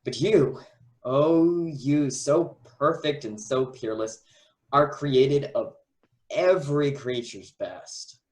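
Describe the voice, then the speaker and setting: Slow-spoken lovestruck young prince played by a man. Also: medium pitch, darkish tone, close to an everyday voice. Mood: adoring, earnest. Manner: courtly declamatory verse delivery. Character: devoted lovestruck young prince, humble and courtly. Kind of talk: Shakespeare radio-play acting.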